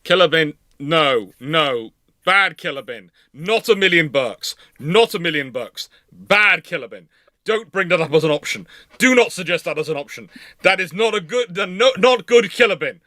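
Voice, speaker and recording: Male stream host, forceful bright voice, slightly high, emphatic and repetitive, casual panel chat. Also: expressive, moderate pace, dry recording, clean studio sound. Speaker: livestream host.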